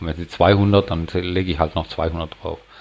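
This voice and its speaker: A man's very deep, low voice at a moderate pace amid noticeable background noise. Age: 50s. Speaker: restaurant owner and private investor. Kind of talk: casual chat.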